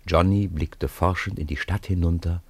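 A man narrating a radio play as a storyteller, speaking to young listeners in a measured, conversational way. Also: low voice, fairly even intonation, slightly rough, no room sound.

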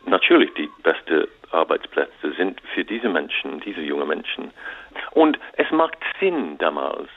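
A man calls in as an author, speaking German as a with as his first. He stumbles and restarts often and drops fillers into his sentences. His low, lively voice comes through a tinny phone line. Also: slightly rough. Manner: halting non-native German with repeated restarts and English fillers. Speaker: author and interview guest. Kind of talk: radio interview.

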